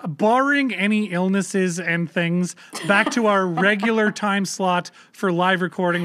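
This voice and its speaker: High-voiced casual podcast guy. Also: fairly bright tone. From Canada. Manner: loose, swearing, rambling with many fillers. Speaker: podcast co-host.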